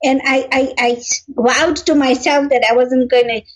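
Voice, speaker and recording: A woman's voice: high voice, fairly even intonation, measured pace. A middle-aged woman from Kenya, a guest in an interview, telling family stories in a reflective way, often saying "you know" and laughing lightly. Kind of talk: personal storytelling in an interview.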